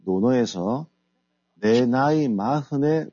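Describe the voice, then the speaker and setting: Middle-aged man explaining in a mellow voice. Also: mid-range voice, animated. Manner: explaining, measured. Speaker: guest author and company head. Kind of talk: radio interview. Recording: dull lo-fi radio studio audio.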